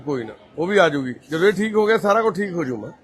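A man's voice: high voice, lively intonation, very fast. Man reassuring patients on camera. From Punjab, India. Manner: gentle and reassuring, calls people mother and brother. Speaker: volunteer host of a care society. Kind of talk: casual on-camera walkthrough talk.

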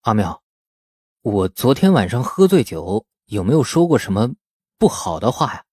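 Man acting an animated young man, quizzing. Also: fairly low pitch, moderate pace, husky, no echo, studio quality. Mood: uneasy, probing. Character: young man questioning a teenage girl like an elder. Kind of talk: audiobook character dialogue.

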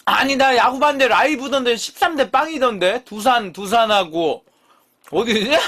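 A man's voice: very high voice, moderate pace. A man in his thirties hosting a live eating stream, chatting casually with viewers and swearing freely as he bickers with them. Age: 30s. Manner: lively, jumps between mumbling and loud outbursts.

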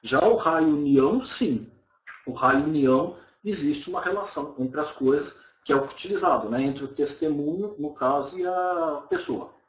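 A man in his thirties, speaking a little high for a man, gives a relaxed lecture over his webcam. He keeps checking in with his viewers through short tag questions while he shares his own opinions. The webcam audio sounds roomy, as if he is in a small, bare room. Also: normal speed. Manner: conversational, frequent tag questions, hedged personal opinion. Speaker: online lecturer.

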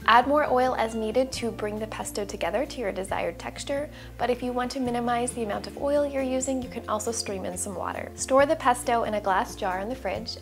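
A cooking channel host in her thirties narrates a recipe voice-over in a fairly high-pitched voice, giving clear step-by-step instructions.

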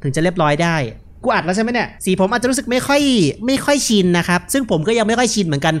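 A young man gives casual, joking horror game commentary, relaxed and unafraid, speaking into a headset mic. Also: sits high, very fast. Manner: laid-back, joking, unafraid. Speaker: gaming video host.

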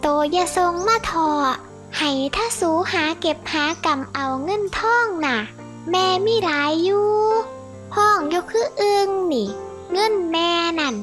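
A bragging old village grandmother with a thick Isan accent chatters on in a sing-song way, as a woman acts her out. Her voice sits very high and shrill for a cartoon granny. Faint music plays behind her. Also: lively intonation, a little slow. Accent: Northeastern Thai (Isan). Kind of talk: animated cartoon acting.

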